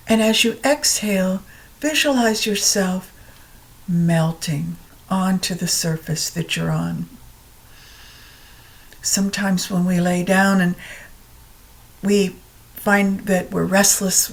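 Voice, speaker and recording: Woman, meditation teacher, very unhurried delivery, calm and soothing, long pauses, mid-pitched voice. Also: low-quality recording. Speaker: yoga nidra meditation teacher. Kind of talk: guided meditation narration.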